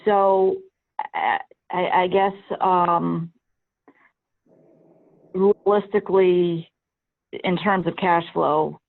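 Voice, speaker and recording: Gravelly voice on a tinny phone line. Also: medium pitch, drawn-out words, pauses often. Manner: hesitant, many repeated okays and restarts. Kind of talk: committee meeting discussion.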